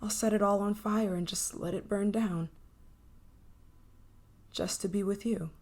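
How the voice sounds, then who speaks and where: A woman's voice: mid-range voice, fairly even intonation, darkish tone. A woman playing an obsessive, menacing scientist in an intense, possessive ASMR roleplay. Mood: somber, confessing. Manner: intense, pleading, possessive, dramatic pauses. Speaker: voice actor in audio roleplay.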